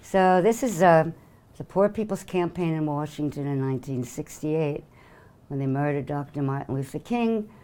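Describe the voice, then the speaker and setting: Low, mellow older New York woman. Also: animated, moderate pace, clean tone. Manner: offhand, joking, many fillers. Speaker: guest speaker. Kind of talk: casual lecture talk.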